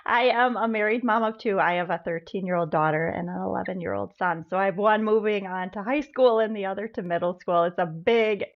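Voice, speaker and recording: A woman's voice: mid-range voice, brisk, hardly any pauses, dull audio. A woman in her forties from Wisconsin with a Wisconsin accent, a podcast guest, bubbly and friendly with filler ums. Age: 40s. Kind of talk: casual interview chat.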